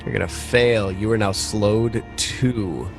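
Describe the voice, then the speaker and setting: A man's voice: lowish voice, slow pace, vocal fry, music in the background. A man acting as game master, narrating a tabletop roleplaying game in a conversational, descriptive way.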